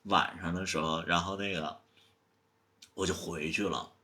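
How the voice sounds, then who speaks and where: A man's voice: low voice, fairly even intonation, normal speed, pushed and bright. A man livestreaming, casually telling a story in a chatty, rambling way and acting out the dialogue himself. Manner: chatty, rambling, drops to a murmur.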